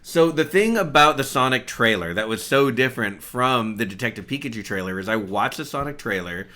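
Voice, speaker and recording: Male podcast panelist with a bright, punchy voice at medium pitch, analytical and opinionated in casual chat. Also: lively intonation, a little fast. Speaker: panelist on a video game podcast.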